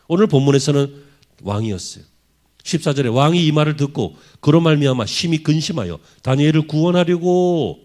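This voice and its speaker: A man's voice: on the high side, darkish tone. A man preaching a sermon as a pastor in a church, driving his points home with rhetorical questions to the congregation. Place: church sanctuary.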